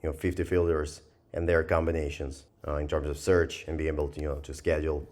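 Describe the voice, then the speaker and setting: A man giving a casual, rambling software review, thinking aloud in a hesitant and sardonic way as he goes. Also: rumbling low, flat delivery, fast. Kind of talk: casual screen-recorded review commentary.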